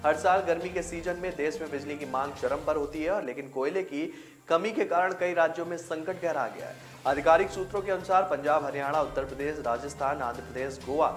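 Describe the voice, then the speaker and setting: Man, news anchor, slightly high voice, scripted bulletin delivery, music in the background. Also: fairly quick.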